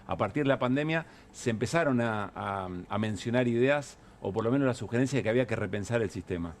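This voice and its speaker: A man's voice: mid-range voice, quick pace, a little hiss or hum. A man with an Argentine accent hosting a political talk show, asking pointed, provocative questions. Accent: Argentine Spanish. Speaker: host.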